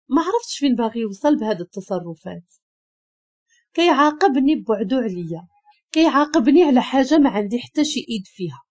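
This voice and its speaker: A woman's voice: on the high side, darkish tone, husky, highs cut off. A woman with a Moroccan Arabic accent, narrating a first-person love story and reading the dialogue in her own voice.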